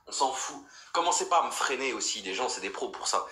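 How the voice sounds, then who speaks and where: A man's voice: medium pitch, animated, fairly quick, pushed and bright. A young man from France hosting a livestream, talking in a fired-up, rambling way with lots of restarts and fillers. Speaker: livestream host. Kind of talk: casual livestream chat.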